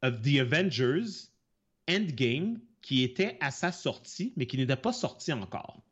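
A man's voice: medium pitch, very animated, measured pace, fairly bright tone, breathy edge. A man co-hosting a podcast, explaining things in a rambling way with many fillers and self-corrections. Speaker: podcast co-host. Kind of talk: casual chat. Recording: dull lo-fi sound.

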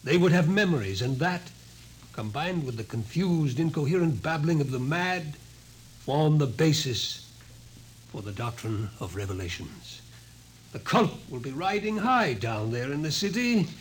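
An actor playing a coolly sardonic, authoritative scientist in a 1950s radio drama, speaking in measured, probing lines. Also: male voice, on the high side, big pitch swings. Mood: sardonic, explanatory. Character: commanding male scientist, coolly sardonic, explains things calmly. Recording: noisy old 1950s radio recording.

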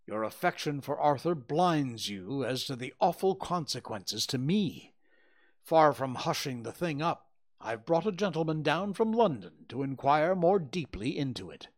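A man's voice: a little high, big pitch swings, unhurried, pitched above the performer's own voice. A man reading aloud, voicing a stern, worried older banker who speaks insistently and impatiently.

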